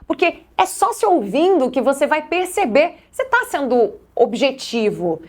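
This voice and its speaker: High-voiced Brazilian woman coaching voice. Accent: Brazilian Portuguese. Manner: expressive, addresses the viewer directly with instructions. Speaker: voice and communication coach. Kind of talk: YouTube speaking-tips lesson.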